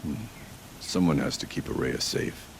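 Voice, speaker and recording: Very deep, grim tribal warrior. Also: male voice, moderate pace, creaky, slight background noise. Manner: terse, grim, blunt. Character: gruff, stern tribal warrior, stubborn and battle-hardened. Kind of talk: dramatic video game cutscene acting.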